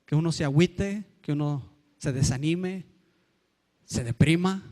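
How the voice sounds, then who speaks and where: A man's voice: on the high side, unhurried, mellow. A man with a Mexican Spanish accent preaching a sermon in a church, emphatic and acting out the voices he quotes.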